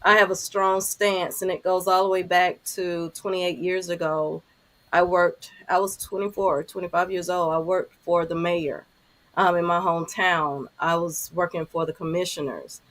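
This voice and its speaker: A woman in her fifties with a deep voice, speaking earnestly as a panelist on a video call. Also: steady tone, moderate pace, a bit bright, poor audio. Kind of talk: candid panel talk.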